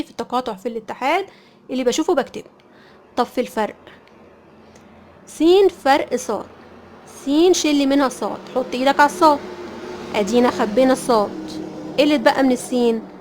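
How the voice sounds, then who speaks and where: Fast-talking Egyptian woman teaching math. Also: high-pitched, slight background noise. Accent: Egyptian Arabic. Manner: quick, repeats key points, asks and answers herself. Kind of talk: whiteboard math lesson.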